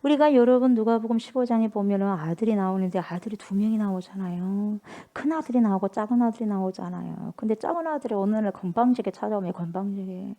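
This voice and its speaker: A woman's voice: medium pitch, fast, few pauses, dark tone. Emphatic woman pastor preaching. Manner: emphatic, repetitive, conversational preaching. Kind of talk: sermon.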